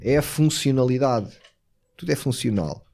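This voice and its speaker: A man's voice: medium pitch, expressive, darkish tone. Reflective man with a European Portuguese accent. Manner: halting, reflective, slangy. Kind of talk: casual conversation.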